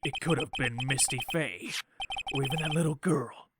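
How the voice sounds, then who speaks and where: A man playing a bitter, remorseful former defense attorney in a game fan dub, gravelly and brooding, delivering theatrical confessions. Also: mid-range voice, moderate pace, heavy background noise, lightly acted. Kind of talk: dramatic visual-novel game fan dub. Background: loud music.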